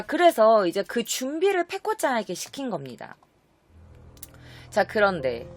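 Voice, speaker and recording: A woman casually telling an urban legend to her viewers, chatty and animated, briefly acting out the quoted voices. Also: medium pitch. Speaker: YouTube storyteller. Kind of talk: casual spooky storytelling.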